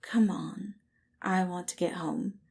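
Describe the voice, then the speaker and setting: Woman as a calm, cool, commanding man. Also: fairly low pitch, slow pace, vocal fry, exaggerated voice. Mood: cool, firm.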